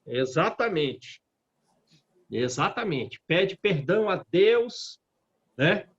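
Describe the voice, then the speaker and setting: A man with a Brazilian Portuguese accent who leads a Spiritist study group. He reads scripture aloud slowly and comments on it reflectively. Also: high-pitched, sing-song, breathy edge. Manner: slow and reflective, rereads passages aloud, asks "né?". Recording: dull lo-fi audio.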